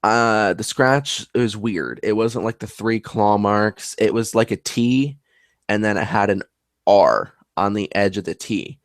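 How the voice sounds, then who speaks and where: A man's voice: on the low side, measured pace, dry recording, clean studio sound. A man who works as a paranormal investigator, talking in casual conversation in an earnest, rambling way.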